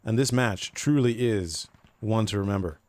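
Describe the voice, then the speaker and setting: A man with a hoarse, tiring voice, chatting casually as he comments on a shooter match. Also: on the low side, moderate pace, darkish tone, dry recording. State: voice getting hoarse. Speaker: gameplay commentator.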